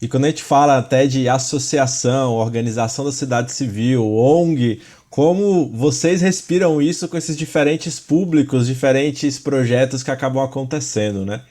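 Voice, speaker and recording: A man's voice: mid-range voice, normal speed, hardly any pauses, mellow. A man hosting a podcast, introducing his guest and asking questions in a friendly, upbeat way. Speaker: podcast host. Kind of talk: podcast interview.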